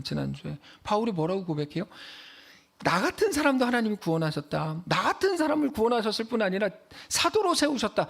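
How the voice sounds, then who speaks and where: A male pastor delivering a Sunday sermon with a high, lively voice. He swings widely in pitch as he acts out quoted speakers, then drops to a near whisper to stress a point. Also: vocal fry. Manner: animated preaching, acting out quoted voices, dropping to a hush for emphasis.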